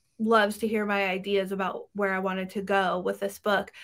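A woman speaks at a moderate pace and medium pitch in a plain, everyday voice, recorded very cleanly with a silent background. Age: 40s. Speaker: horror book reviewer and author. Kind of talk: casual chat.

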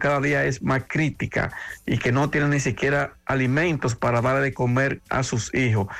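This man has a plain, everyday voice at medium pitch, talking at a moderate pace with fairly even intonation. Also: very clean recording, silent background. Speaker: border correspondent. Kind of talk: news report.

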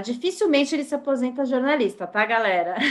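Talking at a moderate pace, a woman uses an unremarkable speaking voice with ordinary pitch variation. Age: 40s. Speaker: journalist and sexologist. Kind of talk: interview.

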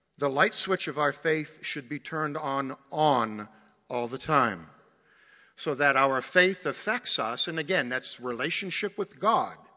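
A man with an American accent and a fairly high pitch speaks at a fairly slow pace with lively intonation. His tone is bright and sharp against a quiet background. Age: 60s. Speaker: deacon. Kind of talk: sermon. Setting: church.

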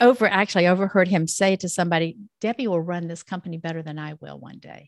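A woman speaks with a slight Southern US accent. The sound is dry and close, with no echo. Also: quiet background. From South Carolina, US South. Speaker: business owner, former nurse. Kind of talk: casual interview.

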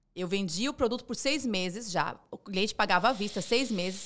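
With an unremarkable speaking voice, a woman talks at a medium pitch and moderate pace, her pitch varying in an ordinary way. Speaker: entrepreneur and lawyer. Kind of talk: live podcast interview.

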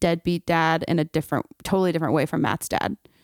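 In a very clean recording with a silent background and a dry, close sound with no echo, a woman with a fairly low pitch speaks with fairly even intonation in an unremarkable speaking voice. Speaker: podcast co-host. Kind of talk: casual chat. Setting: in-person recording with co-host.

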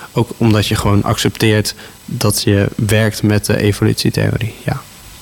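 A man at a fairly low pitch, speaking at a fairly slow pace, with noticeable background noise. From Netherlands, Houten (Utrecht). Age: 20s. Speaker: local councillor. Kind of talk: interview. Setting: radio studio.

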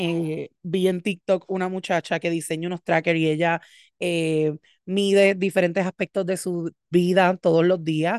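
A woman's fairly low voice at a fairly slow pace, monotone and flat, dry and close with no echo over a quiet background. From Puerto Rico, Orocovis. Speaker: podcast host. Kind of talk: solo podcast monologue.

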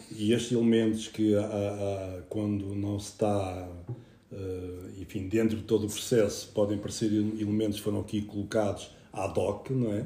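In a European Portuguese accent, a man speaks with monotone, flat intonation at a fairly low pitch, his somewhat breathy voice dark and mellow in tone, with audible room echo. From Portugal, Coimbra district. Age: 50s. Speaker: winemaker. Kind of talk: interview. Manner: halting.

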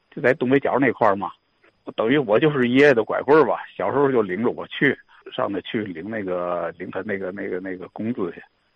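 In an ordinary speaking voice, a man at medium pitch talks at a fairly quick pace with ordinary pitch variation and big swings in loudness. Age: 60s. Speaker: caller sharing family history. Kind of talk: casual reminiscence on a call-in show. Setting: phone call.

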